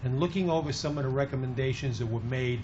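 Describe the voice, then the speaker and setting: With an American accent and fairly even intonation, a man talks amid audible room echo. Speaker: local resident. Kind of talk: public comment at town meeting. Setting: town board meeting, podium. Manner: loud; halting, many fillers.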